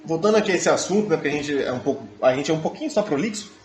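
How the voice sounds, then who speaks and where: A man's voice: on the high side, lively intonation, racing, a little hiss or hum. Slangy, jokey young man in an echoey room. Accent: Brazilian Portuguese. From Brazil. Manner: slangy, jokey, laughs often. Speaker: podcast co-host. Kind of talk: casual banter among friends.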